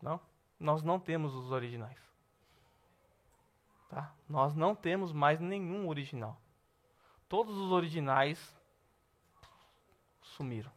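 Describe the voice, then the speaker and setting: A Brazilian man teaching a Bible class at church, lively and asking the class questions. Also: fairly high pitch, measured pace, long pauses. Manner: lively, asks the class questions, says "tá bom?" often.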